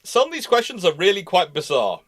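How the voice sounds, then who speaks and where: A man hosting a live question-and-answer talk on history, explaining things informally and discursively, often halting mid-thought. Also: sits high, huge pitch swings, a bit bright. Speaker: host of a live naval history show.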